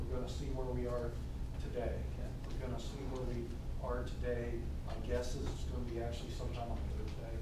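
The voice comes through loud background noise and audible room echo. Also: man. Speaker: lecturer. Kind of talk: lecture. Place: classroom. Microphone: camera far.

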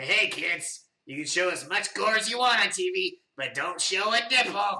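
A man puts on a character voice in a high pitch at a moderate pace. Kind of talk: TV clown host. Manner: creepy, menacing. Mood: joking, sarcastic.

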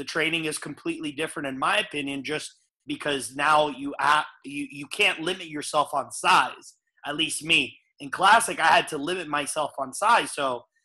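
This man speaks at a moderate pace with ordinary pitch variation and a bright, sharp tone over a quiet background. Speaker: remote guest. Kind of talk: interview answer. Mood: relaxed, upbeat. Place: home room. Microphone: video call.

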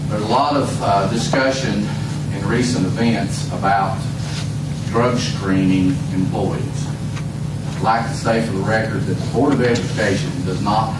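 Amid loud background noise and audible room echo, a man speaks at a moderate pace with ordinary pitch variation. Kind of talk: meeting remarks. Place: hall. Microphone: camera far.

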